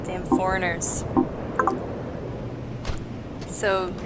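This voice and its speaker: A woman's voice: lowish voice, monotone, very slow, very noisy. A woman hosting a Let's Play with casual, wry, joking commentary on the game. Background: game music.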